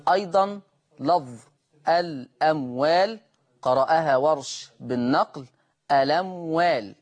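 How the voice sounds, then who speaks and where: A man hosting a Quran recitation lesson, chanting verse slowly and melodically, then explaining rules at a brisk conversational pace. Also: fairly high pitch. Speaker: Quran recitation teacher and host.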